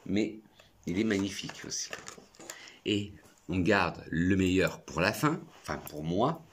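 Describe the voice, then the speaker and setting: A man's voice: sits low, lively intonation, unhurried, fairly bright tone, a little hiss or hum. A French man reviewing perfumes in a chatty, effusive vlog. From France. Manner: chatty and effusive, talks to himself. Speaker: perfume youtuber.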